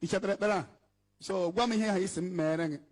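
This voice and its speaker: A man with a Nigerian English accent preaches with a strikingly high voice, scolding and emphatic, repeating his points. His words ring out through a large hall with a long, lingering echo. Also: fast talker. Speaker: evangelist. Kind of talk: preaching to a congregation, switching between English and Igbo. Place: church hall with an altar.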